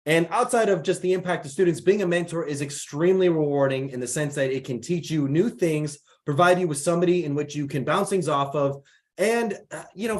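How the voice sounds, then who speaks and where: Young male workshop host from the Chicago area, slightly raspy voice, relaxed chatty manner, on a video call. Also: fairly high pitch. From Chicago area, United States. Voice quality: raspy from allergies. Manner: chatty, reads out attendees' names and places. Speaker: program founder hosting a mentor workshop. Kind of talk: casual online workshop hosting.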